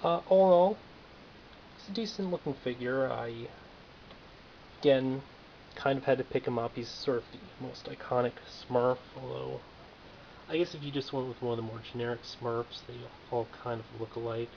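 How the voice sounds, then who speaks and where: A man reviews a toy figure in a casual, offhand monologue with dry, self-mocking jokes. His voice is gravelly and sits in a middle pitch. The recording is dull and lo-fi, with a faint hiss underneath. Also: fairly even intonation, moderate pace.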